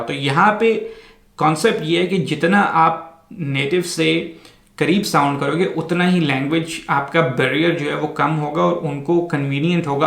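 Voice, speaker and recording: Man with a somewhat high, echoey voice. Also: vocal fry, a bit bright. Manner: explains patiently, spells words out letter by letter; mixes English words into his speech. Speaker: vlog host. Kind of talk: casual explainer talk.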